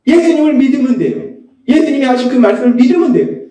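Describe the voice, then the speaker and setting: A man preaching a Sunday sermon as pastor, emphatic and repeating key phrases, sometimes rising to shouts. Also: extremely high pitch, very animated, fast. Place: church sanctuary. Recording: echoey church hall, mic at a distance.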